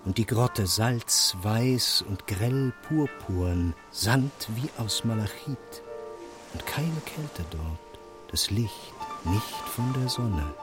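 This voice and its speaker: An actor playing a grave poet-chronicler, reciting avant-garde verse for a radio play in with an incantatory, declamatory delivery. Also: male voice, on the low side, expressive, slow, over music. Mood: incantatory, reverent. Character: grave male poet-chronicler of war and myth.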